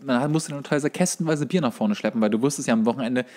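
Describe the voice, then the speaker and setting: A man's voice: medium pitch, fast, a little mellow. A young man, co-hosting a podcast and telling anecdotes in a casual, chatty way. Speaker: podcast co-host.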